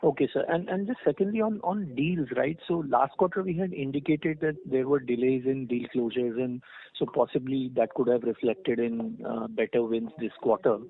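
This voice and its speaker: A man's voice: mid-range voice, normal speed, creaky. A man with an Indian accent, an equity analyst, asking unscripted questions on an earnings call. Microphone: telephone. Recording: tinny phone-line call.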